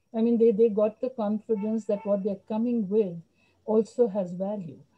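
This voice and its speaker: This woman's voice is somewhat breathy with a fairly high pitch. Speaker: theatre teacher. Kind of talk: audience comment. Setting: video call.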